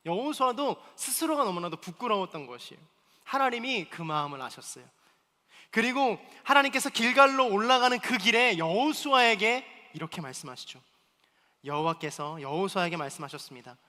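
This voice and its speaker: A male pastor preaching a sermon, moving between loud emphatic pleas and soft hushed asides. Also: high voice, big pitch swings, brisk, big-room sound. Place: church hall.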